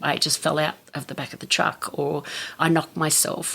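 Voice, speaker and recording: Against noticeable background noise, a woman with an Australian accent speaks in a very deep, low pitch, her intonation flat and monotone. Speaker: nurse. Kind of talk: interview testimony. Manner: halting, many fillers.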